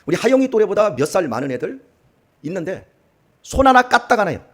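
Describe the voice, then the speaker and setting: Husky, animated Korean pastor preaching. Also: male voice, sits high, brisk. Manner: lively, swings from soft asides to emphatic exhortation. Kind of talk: dawn sermon. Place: church sanctuary.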